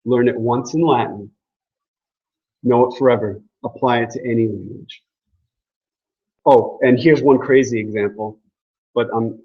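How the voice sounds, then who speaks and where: A man's voice: medium pitch, darkish tone, breathy edge, highs cut off. A man giving a casual classroom lecture on language, joking and asking the class questions. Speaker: language teacher.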